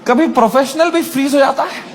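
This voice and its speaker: A male stand-up comedian telling a story in an animated, crude, self-mocking manner, recorded live on stage. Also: extremely high pitch, brisk, a loud crowd. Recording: live stage with audience and noise. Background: audience laughter and room noise.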